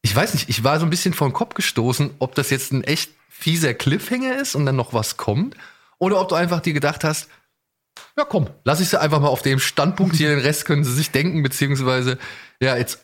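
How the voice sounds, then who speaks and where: A man's voice: fairly high pitch, animated, fairly quick. Enthusiastic, rambling man hosting a podcast. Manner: enthusiastic, rambling, self-correcting. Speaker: podcast host. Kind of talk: casual podcast chat about audio dramas.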